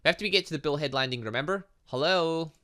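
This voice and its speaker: A man's voice: fairly high pitch, fast, sharp tone. A man hosting a gaming channel, giving let's play commentary on a visual novel with dramatic, exclaiming reactions.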